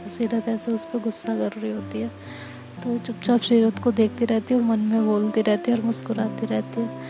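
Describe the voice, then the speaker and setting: A woman's voice: a little high, level tone, moderate pace. A woman telling a love story in a chatty, casual way, with fillers and asides. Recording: music bed. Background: guitar music.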